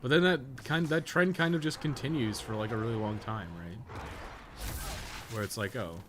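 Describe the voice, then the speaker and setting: A man's voice: medium pitch, moderate pace. A man giving casual, rambling commentary on a gaming livestream, with slangy speech and frequent swearing. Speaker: livestreamer, podcast co-host. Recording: noticeable background noise.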